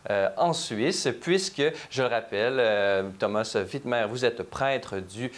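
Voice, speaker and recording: A male television host at a middle pitch. He asks questions and closes the program in a measured, formal tone. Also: expressive. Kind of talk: TV interview and sign-off.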